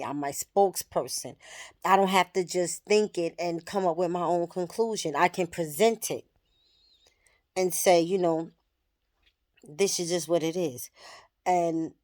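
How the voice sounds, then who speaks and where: Woman in her 30s, low voice, unhurried, swears a lot, thinking out loud on camera. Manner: candid, swears freely, reflective. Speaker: vlogger. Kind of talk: personal reflective monologue.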